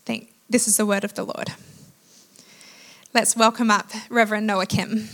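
A woman introducing a guest speaker and reading scripture, pausing often with "uh" and slowing down for the verses. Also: medium pitch, little pitch movement. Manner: warm, with frequent "uh" pauses, slows for scripture. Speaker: church leader introducing the speaker.

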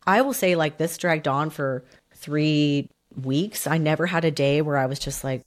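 A woman in her thirties co-hosting a casual podcast, a bit nasal and raspy from a cold, chatty with lots of fillers. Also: sits low, moderate pace. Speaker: podcast co-host. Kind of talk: casual chat.

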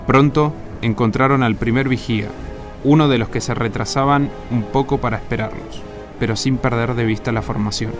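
A man plays a solemn storyteller narrating a desert radio play. His mid-range voice is measured and poetic. Soft music runs beneath the narration. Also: medium pitch, natural voice. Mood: grave. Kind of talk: scripted radio drama narration. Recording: music under the voice.

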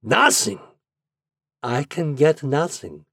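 A man's voice: on the high side, big pitch swings, takes it slowly, creaky, pushed and bright, breathy edge, no room sound, clean studio sound, pitched above the performer's own voice, heavily acted. A man voicing an anxious but defiant younger son in a storybook, speaking in terse, intense phrases. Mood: low despair. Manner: anxious, terse, increasingly determined. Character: anxious younger son growing defiant against his father.

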